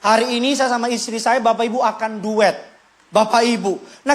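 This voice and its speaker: Pastor guy preaching, jokey and lively, gets the crowd to repeat after him. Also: extremely high pitch. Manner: joking, animated, leads the congregation in call-and-response. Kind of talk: sermon.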